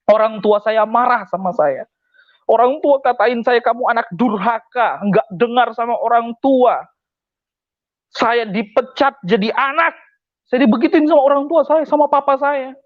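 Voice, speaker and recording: A young man with a notably high voice tells his personal conversion testimony with emphasis, circling back to repeat key phrases. The sound is dull and lo-fi, with a close, dry feel and no room echo. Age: young adult. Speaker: testimony speaker.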